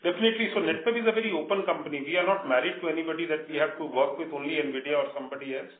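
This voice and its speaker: Fast-talking Indian man on echoey phone line. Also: on the high side. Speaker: company executive. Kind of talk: answering questions on an earnings call. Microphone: conference call phone.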